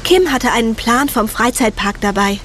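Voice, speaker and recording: A teenage girl narrating her own cartoon story with a dry, wry tone, voiced by a woman. Her voice sits a little high. She sounds like an exasperated older sister. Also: moderate pace, a bit bright, slight background noise, close to an everyday voice. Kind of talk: cartoon dubbing.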